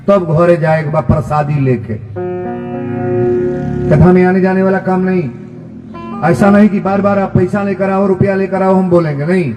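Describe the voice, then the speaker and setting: A man with a Bhojpuri accent gives a live devotional sermon in a high voice, repeating his lines for emphasis and slowing down to chant verses. The recording carries a long hall echo, and music plays clearly underneath. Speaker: kathavachak preacher. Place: live religious gathering. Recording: echoey hall with music behind.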